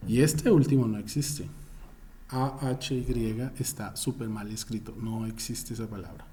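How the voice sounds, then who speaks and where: A man's voice: on the low side, a little slow, warm tone. A man teaching a Spanish class, explaining spelling rules emphatically and spelling words out letter by letter.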